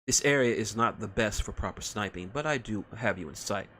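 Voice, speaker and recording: A man's voice: on the low side, fairly quick, pushed and bright, a little hiss or hum. A man voicing a cold, formal elven woman sniper who speaks in a clipped, precise way. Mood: icy.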